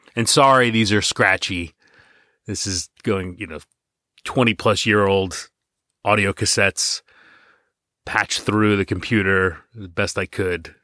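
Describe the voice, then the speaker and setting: An American-accented man talks at a fairly low pitch with fairly even intonation, long, frequent pauses and big swings in loudness. The recording is very clean with a silent background and a dry, close sound with no echo. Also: fairly slow pace. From Long Island, New York. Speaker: podcast host, former college radio sportscaster. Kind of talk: casual podcast narration.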